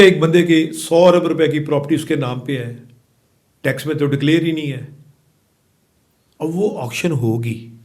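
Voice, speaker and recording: Impassioned man, emphatic interview guest. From Pakistan. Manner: emphatic, rising to forceful outbursts then dropping low. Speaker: guest, former chamber of commerce president.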